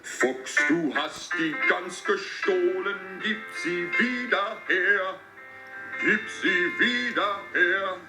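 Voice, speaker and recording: Man playing a slow, deadpan singing grandpa. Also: high-pitched, poor audio. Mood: gentle, deadpan. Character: doting grandpa singing grim German lullabies deadpan. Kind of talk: slow nursery singing in a comedy sketch. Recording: loud music over sketch clip.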